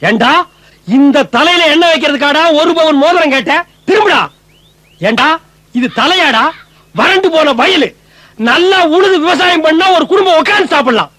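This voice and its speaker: High-voiced scolding comic man. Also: expressive, moderate pace, sharp tone, dry recording. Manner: scolding, mocking, exasperated. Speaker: comic film actor. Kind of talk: 1990s Tamil film comedy dialogue.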